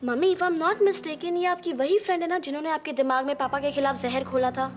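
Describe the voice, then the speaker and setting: A woman's voice: sits high, fairly even intonation, fairly quick, background noise, natural voice. An actress playing a cutting young woman who mocks her mother's friend, in a TV serial drama. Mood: mocking. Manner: mocking, cutting. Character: sharp-tongued young woman, Neetu.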